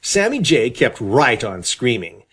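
A man reading a children's storybook aloud in an expressive, lively storytelling manner. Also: medium pitch, a little slow, slightly rough. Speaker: audiobook reader.

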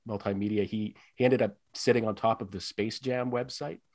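A man hosting an interview podcast, talking quickly and thoughtfully in long winding sentences. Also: fairly low pitch, fairly even intonation, darkish tone, no room sound. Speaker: podcast host.

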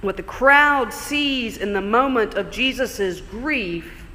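A man preaching a sermon in a church, conversational and explanatory, slowing down for emphasis. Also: extremely high pitch, pushed and bright. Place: church sanctuary. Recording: long church reverb.

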